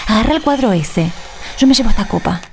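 A bossy actress playing a female thief in a radio drama, with an Argentine accent. Her voice is fairly high and very animated. She scolds and hurries her partner with irritated impatience. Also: quick pace, faint music behind. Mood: impatient, bossy.

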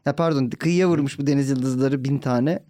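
A man's voice: medium pitch, brisk, mellow, dry recording. A man guest on a comedy podcast, joking drily and acting out little quotes. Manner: dry, joking asides, acts out quotes. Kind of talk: casual comedy podcast chat.

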